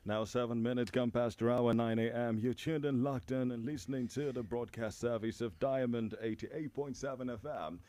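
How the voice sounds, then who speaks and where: A man's voice: mid-range voice, fairly even intonation, normal speed, hardly any pauses, warm tone, soft background music. A man with a Nigerian accent reading headlines and presenting on the radio as a host. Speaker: newsreader and radio show host. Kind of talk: scripted radio news bulletin and presenting.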